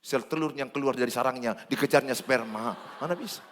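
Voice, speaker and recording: A man, preaching a sermon in church in an animated, joking way. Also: medium pitch, fairly quick, a little hiss or hum. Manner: animated, joking, acts out dialogue. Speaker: pastor.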